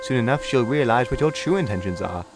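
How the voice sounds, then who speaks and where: A man doing a wise, gentle old engine. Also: mid-range voice, fast talker, over music, lightly acted. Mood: reassuring. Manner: calm and reassuring.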